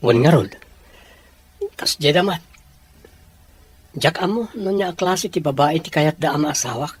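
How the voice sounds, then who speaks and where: A performer acts out a young Filipino man in a family audio drama. His voice is husky and breathy, with a Filipino accent. He is a loyal grandson who chafes at strict parents. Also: a little high, animated, measured pace, soft background music. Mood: frustrated. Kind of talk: Ilocano audio drama acting.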